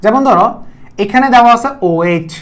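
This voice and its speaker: A man's voice: high-pitched, animated, normal speed. Bangladeshi man teaching, quizzing the viewer. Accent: Bangladeshi Bengali. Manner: repeats key terms, quizzes the viewer with questions. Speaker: chemistry teacher. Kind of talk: online video lecture.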